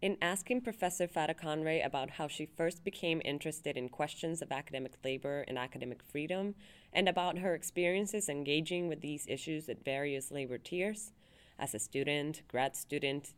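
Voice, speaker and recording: A woman podcast host reading a scripted, measured introduction. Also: low-pitched, clean tone. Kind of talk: scripted narration.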